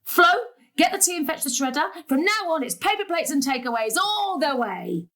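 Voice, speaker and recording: Long-suffering middle-aged daughter, acted by a woman: sarcastic, exasperated, high and animated, for audio drama. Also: normal speed, exaggerated voice. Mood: defiant. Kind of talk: stage-style audio drama acting.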